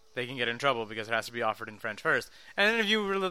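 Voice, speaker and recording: Talking very fast with lively intonation, a man speaks in a Quebec accent with a bright, sharp tone. The recording is very clean, with a silent background. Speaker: podcast host. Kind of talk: casual chat.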